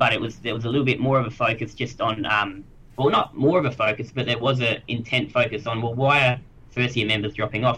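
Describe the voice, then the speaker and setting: Words come out at a very fast pace in an Australian accent. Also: man. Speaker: football club membership staffer. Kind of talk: casual interview.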